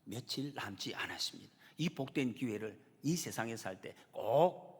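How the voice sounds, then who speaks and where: Korean pastor guy preaching, kinda breathy voice, big echoey church, gets loud and emphatic. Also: medium pitch, lively intonation, moderate pace. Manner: earnest preaching, rising emphatic peaks, addresses congregation often. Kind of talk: sermon. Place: church sanctuary. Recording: long church reverb, slightly husky.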